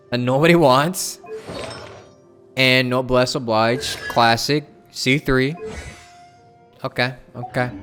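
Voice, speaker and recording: A man's voice: medium pitch, fairly bright tone. A man livestreaming a game with casual, slangy commentary, reacting off the cuff. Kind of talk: casual live commentary while gaming. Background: game music and sound.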